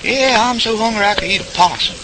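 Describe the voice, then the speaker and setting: A man's voice: high voice, fast talker, close to an everyday voice. A man playing a sarcastic, hot-headed backwoods fellow with a twangy Southern US accent in an audio drama. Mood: grumbling. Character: hot-headed, sarcastic rural Southern good ol' boy. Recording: clear outdoor ambience noise behind voice.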